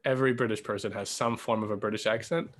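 A man's voice: fairly low pitch, fairly even intonation, fast talker. A man with a light Canadian accent riffs easily in casual podcast chat. He is teasing and playful, and he rambles through his points with a loose, conversational ease. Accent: mild Canadian. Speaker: podcast co-host. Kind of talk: casual banter.

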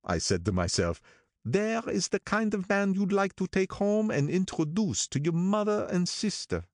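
Older gangster, gloomy, sentimental, slow drawn-out words, pitched high, dry close sound. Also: male voice, big pitch swings, no echo. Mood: self-satisfied. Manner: slow, brooding, drawn-out delivery.

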